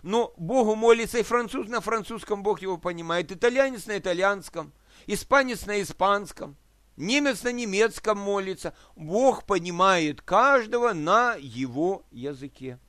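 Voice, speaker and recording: A man's voice: high voice, animated, moderate pace, pushed and bright, no echo. A man preaching a sermon, explaining scripture with worked examples, rhetorical questions and checks that his listeners follow. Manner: asks listeners for agreement.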